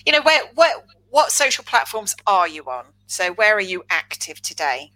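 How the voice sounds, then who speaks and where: A woman with a bright, forward voice co-hosts an interview. She chats casually and teasingly, often starting a sentence again at a medium pitch. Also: very animated, moderate pace, poor audio. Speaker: co-host.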